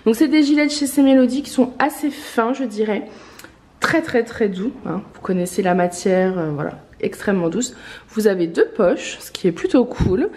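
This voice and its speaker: This woman speaks at medium pitch and normal speed with a darkish tone, recorded in an echoey room. She owns an online clothing shop and is filming a try-on vlog indoors at a mirror. Still congested from a lingering cough, she chats casually, leans on fillers, and praises outfits eagerly.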